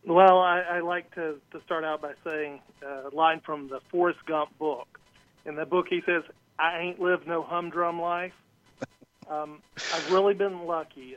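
A man from Georgia, a radio guest telling stories casually and pausing mid-sentence. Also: a little high. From Georgia, United States. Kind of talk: casual autobiographical storytelling. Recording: tinny phone line.

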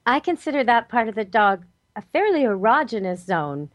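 A woman with a slightly higher voice hosts a pet radio show, eager and quick to ask follow-up questions. Her voice is recorded close and dry in a studio. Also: sing-song, no room sound. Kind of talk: casual radio interview.

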